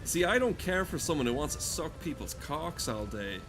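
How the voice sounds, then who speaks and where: A man's voice: fairly high pitch, big pitch swings, normal speed, a bit bright, faint music behind. A man giving crude, comedic, rambling commentary while playing a game, swearing often. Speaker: gamer talking over gameplay.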